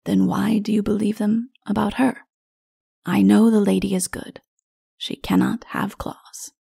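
A woman voicing a grave, stern king in a storybook, speaking in a measured, firm and solemn way. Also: mid-range voice, little pitch movement, vocal fry, dark tone, breathy edge, exaggerated voice. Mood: quietly firm. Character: grave, stern male king on a perilous journey.

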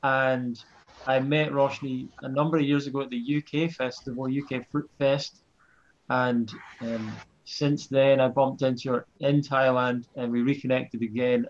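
A man's voice: mid-range voice, muffled recording. Man hosting a podcast over video call. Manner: relaxed, halting with fillers. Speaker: podcast host. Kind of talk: casual interview.

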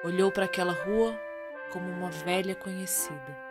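A woman's voice: on the low side, moderate pace. A Brazilian woman narrating a scripted radio drama as a theatrical storyteller. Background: music with guitar.

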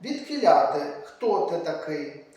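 A man's voice: on the high side, very animated, unhurried, warm tone. A man reading the lines of a stern older male Cossack rebel leader in a commanding, questioning way. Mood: coaxing. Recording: very echoey room, far from mic.

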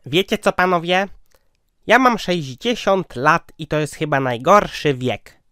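Man acting cartoon man of sixty, high smooth voice, weary complainer, dry sound. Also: animated, unhurried, pushed and bright, no room sound. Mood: weary complaining. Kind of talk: cartoon comedy sketch dialogue.

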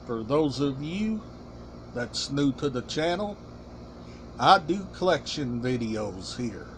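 A middle-aged man hosting a casual collection vlog, talking deliberately in short, halting, emphatic phrases. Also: mid-range voice, sing-song, a little hiss or hum. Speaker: collection channel host. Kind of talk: casual show-and-tell vlog. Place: small room indoors.

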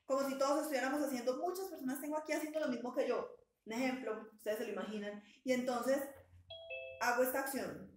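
A woman teaching an English lesson. She is patient and encouraging and stretches out words to model their pronunciation. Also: sits high. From Colombia. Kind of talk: bilingual language lesson. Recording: echoey room sound.

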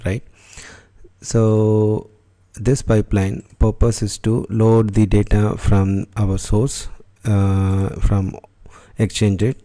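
A man hosting a screen-recorded software tutorial, talking it through unscripted with many fillers and restarts. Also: fairly low pitch. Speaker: tutorial host.

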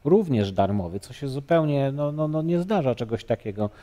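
A man in his fifties from Poland, a guest in a studio interview, talking haltingly with many fillers and restarts. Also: medium pitch, animated, warm tone, big-room sound. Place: bright TV studio, seated on sofa.

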